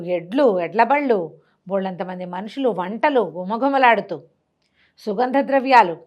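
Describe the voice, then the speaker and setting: With a fairly high voice on a muffled recording, a woman storyteller recounts a classical tale in a conversational way. She performs the characters' lines and asks rhetorical questions as she goes.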